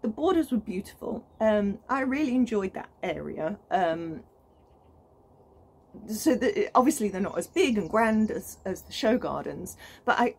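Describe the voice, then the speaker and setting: Out on her allotment plot, a thirty-something British woman who vlogs about gardening speaks casually to the camera. Her mid-range voice is creaky and husky with a darkish tone. She's eager and keeps restarting, with plenty of ums.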